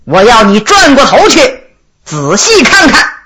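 A woman voicing a stern old-court judge, cold and measured. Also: a little high, huge pitch swings, sharp tone, a little hiss or hum, heavily acted. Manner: slow, measured, coldly reproachful. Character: stern middle-aged male imperial judge.

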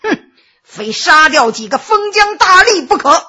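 A man's voice: very high-pitched, sing-song, a little slow, bright, forceful tone, pitched above the performer's own voice, heavily acted. A woman voicing a stern, angry emperor who speaks coldly and with command, in a spoken story. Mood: furious. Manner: cold, commanding. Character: stern angry middle-aged male emperor.

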